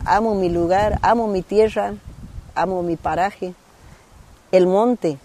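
A middle-aged rural homemaker from Santiago del Estero giving a slow, heartfelt testimony about her land. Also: medium pitch, dark tone, slight background noise. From Santiago del Estero, Argentina.

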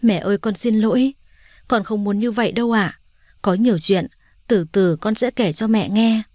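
A woman's voice: medium pitch, moderate pace, a little mellow, dry recording, studio quality, close to an everyday voice. A woman voicing a young woman who comes home after years away, speaking emotionally and pleadingly. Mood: tearful. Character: young woman returning home, tearful and remorseful.

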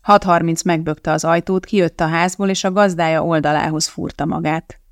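A narrator reads a novel aloud in a steady, measured way. The voice is gravelly with a noticeable creak and sits at a mid pitch. The recording is dry and close. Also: no echo. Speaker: audiobook narrator. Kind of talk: scripted narration.

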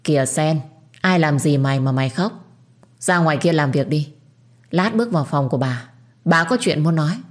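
A woman's voice: sits low, expressive, moderate pace, pauses often. A woman voicing a stern older matriarch who scolds and commands her household in an audio story.

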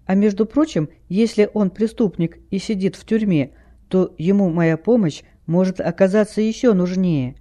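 A man's voice: high-pitched, normal speed, dark tone, lightly acted. Man voicing a plaintive, upset young girl. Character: upset young girl longing for her father.

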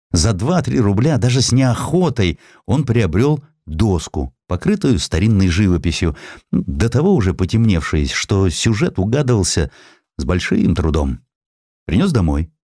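A man narrating a historical sketch for a radio production, with an expressive, varied storytelling delivery on a close studio mic. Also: deep voice, no echo.

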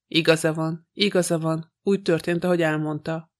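A man's voice: fairly high pitch, flat delivery, natural voice. A man voicing a frightened, passionate young woman in an audiobook, pleading and tearful. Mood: sobbing.

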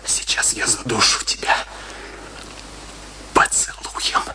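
A man's voice: slow, whispered, lightly acted. An actor playing a melancholy, darkly passionate man in a radio play, with theatrical intensity. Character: melancholy male friend turned darkly passionate seducer.

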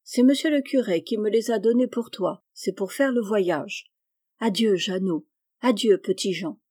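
A woman's voice: medium pitch, unhurried, mellow, slightly rough. A woman reading a fed-up scolding village aunt. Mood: tender farewell. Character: scolding exasperated peasant aunt. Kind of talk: audiobook reading.

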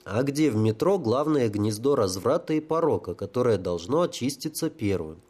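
A man voicing a cunning dead sapper who speaks smoothly and with authority. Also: medium pitch, animated, normal speed, a little mellow, natural voice. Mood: commanding.

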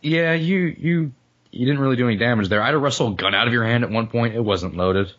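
A male podcast co-host, hoarse and losing his voice after the flu, chatting casually and joking with frequent laughs. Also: mid-range voice, quick pace, fairly bright tone, highs cut off. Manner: joking, rambling, laughs often. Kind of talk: casual comedic chat.

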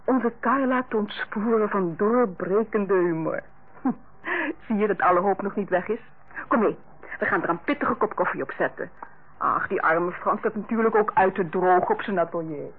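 An actress playing a genteel, kindly and teasing lady of the house, gently patient, in a radio drama. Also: mid-range voice, animated, normal speed, slightly rough. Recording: narrow, noisy old radio recording.

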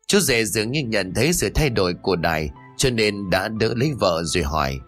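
Brief: male storyteller, low voice, steady measured ghost story narration over faint music. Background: soft background music.

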